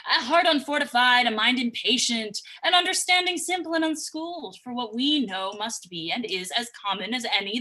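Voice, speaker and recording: Reproving, silver-tongued king and stepfather played by a woman, high and bright, formal Shakespearean verse. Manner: formal, stately verse delivery. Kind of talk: livestreamed Shakespeare dramatic reading. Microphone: remote livestream from own location.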